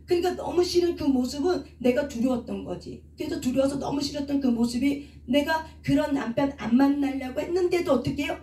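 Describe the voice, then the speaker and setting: Middle-aged woman, counselor and preacher, mellow tone, picked up from a distance in an echoey church hall. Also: high-pitched. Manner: asks rhetorical questions and answers them herself. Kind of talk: teaching sermon with questions to the congregation. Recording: echoey room, speaker away from the mic.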